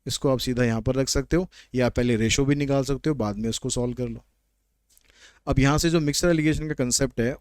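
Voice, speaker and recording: A male maths teacher walks his viewers through word problems one step at a time, chatty and a little teasing. His voice is smooth and crisp, at a middle pitch. It is recorded close up on a dry mic. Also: a little mellow, dry recording. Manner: explains step by step, code-switching English questions into explanation. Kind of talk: online maths lesson.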